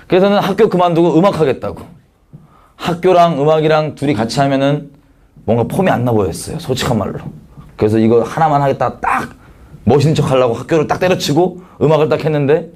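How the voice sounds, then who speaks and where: A man's voice: on the high side, a little mellow. A man giving a missionary testimony sermon, telling his story in a frank, colloquial way and acting out the voices he quotes. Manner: frank, colloquial, self-mocking.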